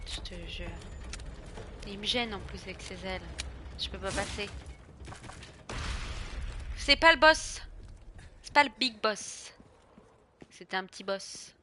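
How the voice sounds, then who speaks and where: A young woman streaming a video game, chatting excitably and swearing as she plays. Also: mid-range voice, normal speed, pauses often, slight background noise. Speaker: gaming streamer. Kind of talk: casual let's-play commentary.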